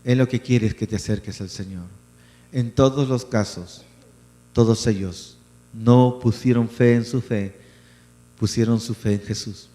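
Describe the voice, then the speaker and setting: Animated pastor in reverberant hall. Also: male voice, mid-range voice, a little slow. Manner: animated preaching, acting out voices of biblical characters. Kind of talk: sermon. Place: church hall. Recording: church hall reverb with mains hum.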